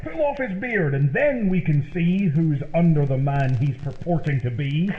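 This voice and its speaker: A man playing an excitable, gullible housemate in a rhyming old-time radio comedy, with theatrical, bouncy delivery. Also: on the high side, moderate pace, lightly acted. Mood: resolute. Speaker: comedy show co-host. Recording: tinny, noisy old-time radio sound.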